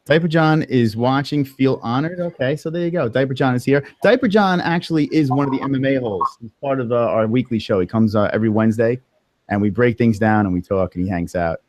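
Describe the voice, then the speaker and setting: A man's voice: mid-range voice, fairly quick, a little mellow, dry recording. A man with a New York accent hosting a casual livestream interview, joking and laughing often. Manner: joking, laughs often, stumbles over words. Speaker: host.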